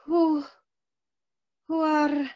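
A woman playing a bewildered, submissive opera diva in a trance, halting, in a staged play reading. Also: sits high, little pitch movement, mellow, no echo. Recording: dull, dry video-call audio.

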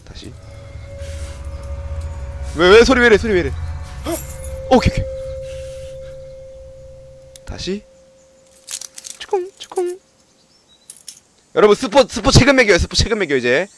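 A man streaming a video game live, commenting in an excitable, jokey way, often yelling and swearing. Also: high-pitched, a little slow, pauses often, a little hiss or hum.

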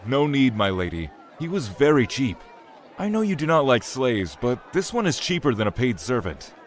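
A man's voice: mid-range voice, sing-song, normal speed, natural voice. A man voicing a businesslike merchant buying a slave at market. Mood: haggling. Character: haggling merchant nephew.

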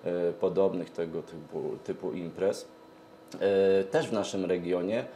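A middle-aged man answers interview questions hesitantly, pausing often mid-sentence. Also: deep voice, steady tone, dark tone, slight background noise. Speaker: event organizer, interview guest. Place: TV studio, seated at a glass desk. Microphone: lapel mic.

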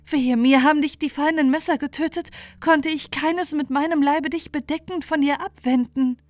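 A woman voicing a gentle, devout young wife in a fairy tale, earnest and pleading in anguish. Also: high voice, fairly even intonation, normal speed, no echo, voice pushed up, lightly acted. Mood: tender, anxious. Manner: plaintive, earnest lamenting. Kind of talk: fairy-tale storybook acting. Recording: music bed under the voice.

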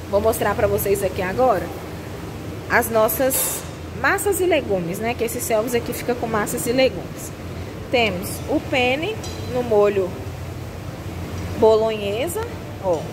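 A woman's voice: on the high side, noisy background. A Brazilian woman hosting a cooking channel, walking along a restaurant buffet and explaining the dishes in a chatty, instructive way, recorded on a handheld phone. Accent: Brazilian Portuguese. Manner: chatty and instructive, checking in with viewers. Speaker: restaurant owner's family and cooking channel host. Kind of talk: walkthrough vlog of a buffet. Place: indoor self-service restaurant buffet. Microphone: handheld phone while walking. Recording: restaurant ambience behind the voice.

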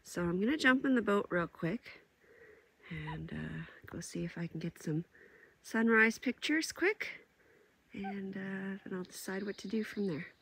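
A woman's voice: medium pitch, lively intonation, unhurried, fairly bright tone, slightly rough. A middle-aged woman with a stuffed-up nose talks casually about her solo camping trip, with lots of ums and uhs, filming herself at arm's length outdoors. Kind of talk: casual vlog narration. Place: outdoors at a lakeside campsite and in a tent. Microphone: camera at arm's length.

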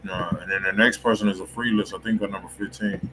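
A man's voice: low voice, steady tone, quick pace. An American man hosting a music review stream with casual, slangy chat. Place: indoor room, live stream. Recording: noisy live-stream room audio.

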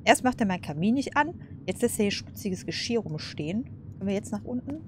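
A woman's voice: mid-range voice, expressive, quick pace, background noise. A woman casually commenting over a game, chatty, laughing and cursing at setbacks. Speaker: let's play host.

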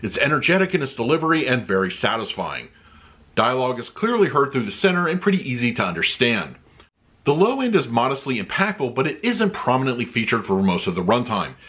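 A man's voice: medium pitch, big pitch swings, fairly quick, fairly bright tone. A man in his thirties reviewing a movie disc at home, chatting loosely and then reading out a written review. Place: home room with shelves of discs.

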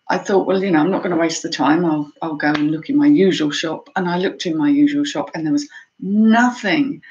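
A reseller vlogger, a woman, chats casually on a home live stream from a room beside a window, greeting viewers by name while slightly out of breath. Her voice is fairly low and creaky, and the sound is lo-fi.

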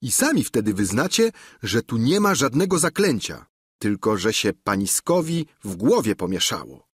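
A man's voice: on the low side, very animated, normal speed, breathy edge, no echo, clean studio sound. A man voicing an older, simple, talkative peasant squire who pleads and insists. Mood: arguing.

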